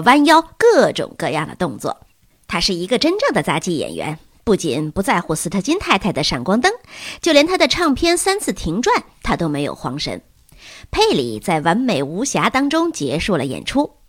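Brief: expressive woman storyteller, animated intonation, dry studio sound. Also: mid-range voice, no room sound. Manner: lively expressive reading. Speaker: narrator. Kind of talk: audiobook storytelling.

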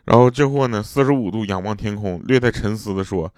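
A man's voice: on the low side, fairly quick, a little mellow, dry recording, clean studio sound. Chuckling man. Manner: chatty, laughs at his own jokes, puts on voices for quotes. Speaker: comic storyteller. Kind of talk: casual joke-telling monologue.

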